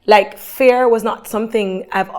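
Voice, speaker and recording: A woman's voice: medium pitch, fairly even intonation, a little slow. A woman being interviewed who tells her story in an earnest, faith-filled way. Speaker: guest. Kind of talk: conversational interview.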